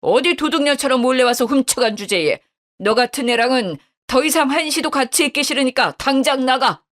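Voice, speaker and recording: A woman's voice: high-pitched, fairly quick, a bit bright, pitched above the performer's own voice. A woman playing a stern, commanding father-in-law. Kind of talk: storytelling radio drama.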